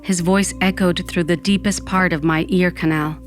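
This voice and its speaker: Voicing a wistful, dreamy young Latina with a flair for drama, a woman narrates the character's own story in a scripted first-person audio drama. Her voice is low, close to everyday, with fairly even intonation and a normal pace, over soft background music.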